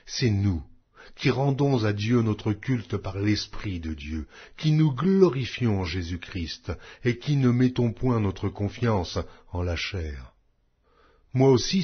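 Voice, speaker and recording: A man reading scripture as a scripted audiobook narration, in a solemn, measured and declamatory way. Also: fairly low pitch, expressive, husky. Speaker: Bible narrator. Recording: dull, lo-fi audio.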